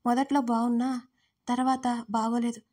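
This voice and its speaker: A woman's voice: on the high side, little pitch movement, normal speed, a little mellow, natural voice. A woman voicing a tearful, desperate young woman in love, pleading in a crying voice in an audio story.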